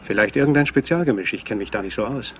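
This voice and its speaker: A man's voice: on the low side, quick pace, slight background noise, close to an everyday voice. A man playing a laconic search officer in a German-dubbed crime drama, casual and clipped. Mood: matter-of-fact.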